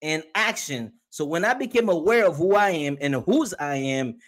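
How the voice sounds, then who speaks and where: A man's voice: a little high, normal speed. A middle-aged man from Haiti, a guest and emotional health coach, chatting earnestly on a video call. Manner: earnest, animated storyteller. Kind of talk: casual chat on a video call. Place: small room at home. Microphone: video call webcam.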